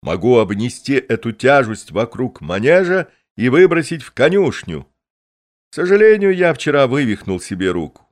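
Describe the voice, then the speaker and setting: A man voicing a boastful grown male circus clown who announces his acts to the crowd in a pompous, drawn-out showman's voice. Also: medium pitch, sing-song, voice pushed up, natural voice. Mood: grandiose.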